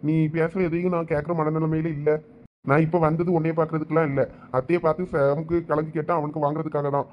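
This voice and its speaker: A man's voice: fairly high pitch, level tone, fast, close to an everyday voice. A man voicing a hurt but reassuring young boyfriend in a cartoon, with a Thoothukudi Tamil accent. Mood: firm. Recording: dull lo-fi sound.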